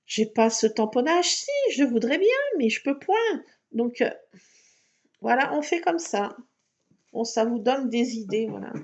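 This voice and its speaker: A woman's voice: a little high, creaky, a little mellow, highs cut off. A woman chatting playfully and mocking herself while she shows a scrapbooking craft. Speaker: craft video maker. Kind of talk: casual crafting tutorial.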